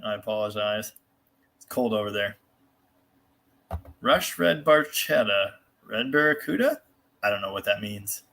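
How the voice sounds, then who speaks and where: Hosting a live car show, an American man with a bright, forward, middle-pitched voice chats casually and answers viewer comments. He rambles candidly, swears mildly, and is quick to make fun of himself.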